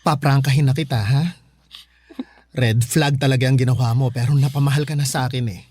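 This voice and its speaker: A man's voice: medium pitch, steady tone, brisk, a little mellow, husky, no room sound, natural voice. A man playing a flamboyant gay adoptive mother, stern but doting, in a Filipino radio drama, with campy Filipino delivery. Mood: stern, caring. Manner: campy, scolding then tender, slang-heavy.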